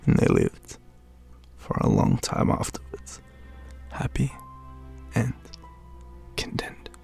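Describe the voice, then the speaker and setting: An Australian man with a deep, gravelly voice, telling a story to listeners. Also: darkish tone. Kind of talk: dramatic storybook narration.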